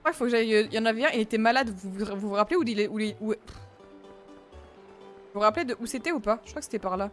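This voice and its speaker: A woman's voice: on the high side, racing. Chatty young woman streaming a game. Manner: chatty, rambling, talks to chat. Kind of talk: casual gaming commentary. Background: faint game music.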